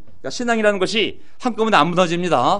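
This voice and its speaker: Very fast speech from a high-pitched man, with ordinary pitch variation and audible room echo. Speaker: pastor. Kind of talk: sermon.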